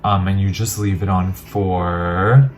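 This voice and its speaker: A man's voice: deep voice, steady tone, slow. A man chatting casually as he unboxes and tries products, rambling and poking fun at himself. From Armenian heritage. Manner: chatty, rambling, self-deprecating. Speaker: vlogger.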